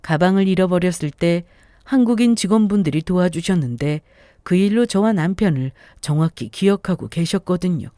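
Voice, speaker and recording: A woman's voice: lowish voice, animated, brisk, dark tone, no echo, studio quality. A young woman narrating a first-person story for radio, acting out her own indignant lines in dialogue.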